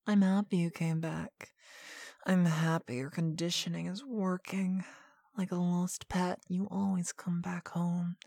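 A woman performing a whispered hypnosis roleplay, speaking softly and commandingly into a close microphone. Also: lowish voice, vocal fry, breathy edge, no room sound. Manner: slow, soft, commanding, often whispered. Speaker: hypnosis audio narrator.

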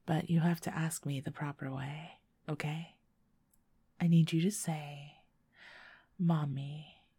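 A young woman in an intimate audio roleplay, talking softly and coaxingly and often whispering close to the microphone. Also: low-pitched, slightly rough, no room sound.

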